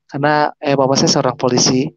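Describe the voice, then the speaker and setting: A man's voice: medium pitch, little pitch movement, brisk, dry recording. A man in his thirties with a Makassar Indonesian accent, telling his personal testimony in a rambling way, with restarts and fillers. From South Sulawesi, Indonesia. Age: 30s. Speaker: guest sharing a testimony. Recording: dull lo-fi sound.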